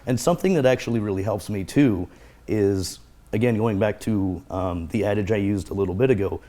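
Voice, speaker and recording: Low, mellow-voiced man explaining calmly. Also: fairly quick. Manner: earnest, explanatory, fond of repeating key phrases. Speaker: guest therapist. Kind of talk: conversational explanation.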